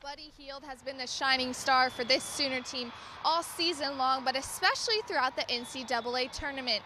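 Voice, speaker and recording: A young woman delivering a scripted field report for a student newscast in a crisp reporter's manner. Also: high-pitched, a little fast, noisy background. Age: young adult. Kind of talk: news report.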